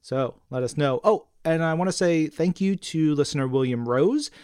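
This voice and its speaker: Higher-pitched man, chatty podcast co-host. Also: moderate pace, a little mellow, smooth, dry recording, clean studio sound. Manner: enthusiastic, chatty. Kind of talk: casual comics fan podcast talk, reading listener messages.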